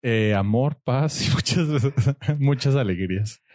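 Mexican podcast co-host, laid-back slangy man, mid pitch, dry mic. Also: unhurried, a little mellow, no room sound. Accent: Mexican Spanish. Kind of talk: casual chat among friends.

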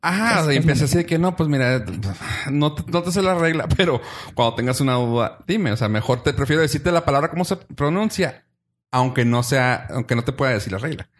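A podcast co-host with a Mexican Spanish accent talks at a quick pace in casual chat, slangy and animated, breaking into high-pitched imitations.

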